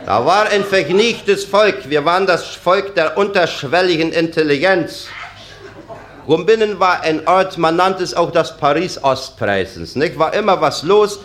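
A man's voice: on the high side, expressive, unhurried, a bit bright. A man with an East Prussian accent telling stand-up jokes and acting out his characters in quoted dialogue, with audience laughter behind him. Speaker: comedian.

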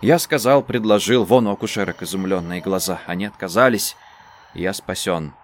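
A man reading a first-person story aloud in a subdued, low-key manner. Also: normal speed, a little hiss or hum. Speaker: narrator. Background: faint music.

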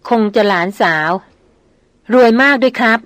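A woman's voice: on the high side, normal speed, fairly bright tone, no room sound, close to an everyday voice. Audiobook: woman reading an old male hunter and servant, gossipy and deferential, dry close sound. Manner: polite, gossipy storytelling with deferential particles.

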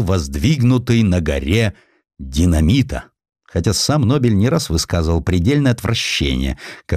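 Deep-voiced man narrating with lively intonation. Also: no room sound, clean studio sound. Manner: expressive, storytelling with deliberate phrasing. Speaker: audiobook narrator. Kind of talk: dramatized scripted narration of historical sketch.

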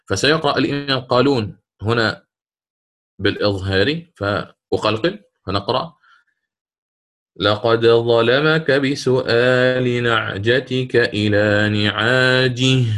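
Guy teaching a quran recitation class, asks students questions, goes step by step, middle pitch. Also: fairly bright tone. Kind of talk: classroom lesson on recitation rules.

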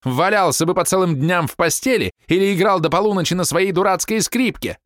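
Man putting on a woman in her forties, shrill, nagging, indignant, high voice, dry close sound. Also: sing-song, a little fast, no room sound. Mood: furious.

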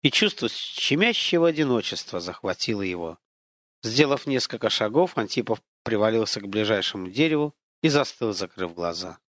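Male narrator, audiobook reading, dramatic storytelling, lively intonation. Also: lowish voice, moderate pace, no echo.

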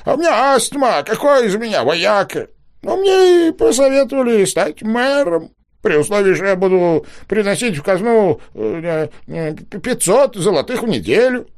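Man doing a squeaky weepy old mayor. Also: sing-song, normal speed. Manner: whiny, pleading, squeaky. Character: tearful old man mayor who cannot count.

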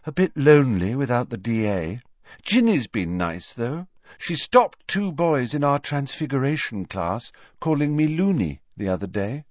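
A man's voice: mid-range voice, very animated, a little slow, no room sound, voice pushed up. A dreamy, blunt teenage girl, put on by a man with a floaty, lilting voice that swoops up and down. She speaks airily and says odd things plainly. The sound is dull and dry. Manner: airy, sing-song, blunt.

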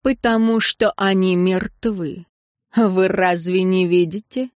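A woman doing a calm, ruthless priestess mentor. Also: fairly low pitch, dry recording, studio quality. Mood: cold. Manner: quiet, unhurried, coldly matter-of-fact.

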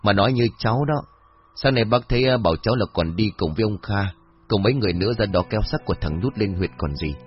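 A man's voice: fairly low pitch, animated, fast talker, slightly rough. A man voicing a fussy, practical older village mother who scolds her son. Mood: puzzled. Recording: dull lo-fi audio with faint music.

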